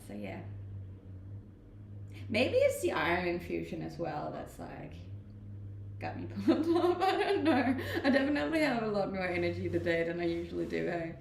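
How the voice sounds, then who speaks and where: Creaky-voiced Danish woman streamer. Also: on the low side, sing-song, normal speed, echoey room, a little hiss or hum. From Denmark. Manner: chatty, laughs easily. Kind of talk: casual chat reading viewer questions. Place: rented house, indoors.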